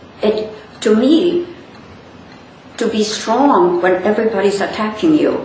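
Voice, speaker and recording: A woman talks at a very slow pace with lively intonation and a medium pitch. Room echo is audible, and background noise is noticeable. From Poland. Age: 80s+. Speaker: Holocaust survivor. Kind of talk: interview.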